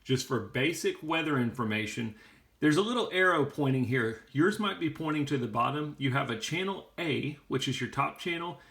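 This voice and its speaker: A man's voice: a little high, animated, normal speed, gravelly, fairly bright tone. A man explaining things step by step in a plain-spoken, casual how-to style. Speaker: how-to video host.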